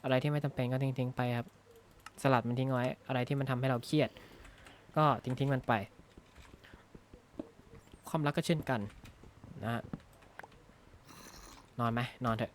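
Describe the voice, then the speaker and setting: A man's voice: mid-range voice, fairly even intonation, normal speed, long pauses, a little hiss or hum. Rambling man playing a video game. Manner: rambling, jokey, thinks aloud with frequent "na ha" tags. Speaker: gaming YouTuber. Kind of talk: casual Minecraft let's-play commentary. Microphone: close desk mic.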